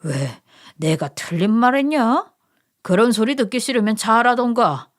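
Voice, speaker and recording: A woman's voice: fairly high pitch, expressive, unhurried. A woman voicing a condescending older brother who scolds and sneers in a radio story. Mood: contemptuous.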